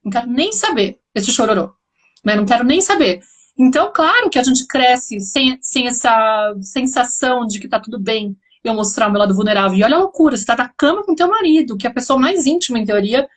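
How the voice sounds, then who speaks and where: A woman host, talking reflectively in a live conversation and often tagging her sentences with questions. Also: high-pitched. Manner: reflective, explaining, frequent "né" tags.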